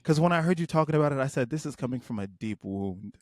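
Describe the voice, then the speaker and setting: A man's voice: medium pitch, lively intonation, fast talker, darkish tone, dry recording, clean studio sound. A man in his twenties chatting casually on a podcast, playful and emphatic, sometimes mock-preachy. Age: 20s. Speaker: guest co-host.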